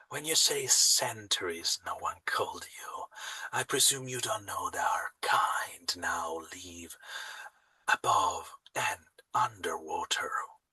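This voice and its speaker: A put-on character voice from a man, delivered fairly slowly. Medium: actual play. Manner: calm, measured.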